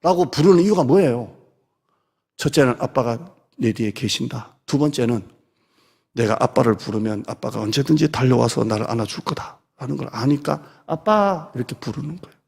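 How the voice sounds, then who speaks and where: A middle-aged man from South Korea preaching a Sunday sermon in a conversational way, sometimes dropping to soft near-whispers. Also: mid-range voice, brisk, gravelly, husky. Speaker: pastor. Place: church sanctuary. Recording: long church reverb.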